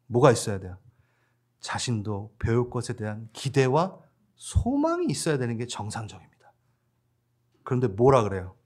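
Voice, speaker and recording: Animated Korean-speaking pastor preaching. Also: male voice, medium pitch. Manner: lively, laughs with the congregation, acts out disciples' voices. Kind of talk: sermon. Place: church.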